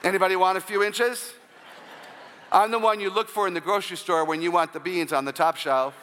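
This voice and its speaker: A woman with a low voice, often taken for a man's, giving an inspirational church talk full of humorous personal stories and call-outs to the audience. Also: creaky, a bit bright, big-room sound. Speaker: Christian speaker.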